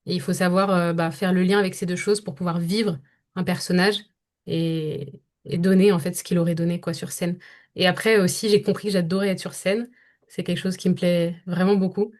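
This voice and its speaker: A woman's voice: lowish voice, flat delivery, brisk, darkish tone. A young French woman, a voice-over actress, talking through her career as a podcast guest, thoughtful and full of hesitations. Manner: thoughtful, many hesitations and restarts. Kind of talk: podcast interview conversation.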